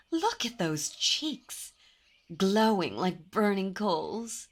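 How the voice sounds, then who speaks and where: A woman's voice: mid-range voice, exaggerated voice. A woman voicing a commanding, seductive demon princess in an ASMR roleplay, speaking in a teasing, imperious and intimate way.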